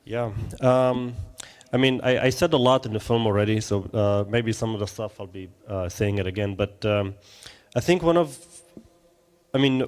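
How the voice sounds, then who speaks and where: A man's voice: on the low side, moderate pace, darkish tone, clear, resonant tone. A man from Syria in his thirties, a filmmaker guest answering questions in a live interview, hesitant with many fillers and restarts.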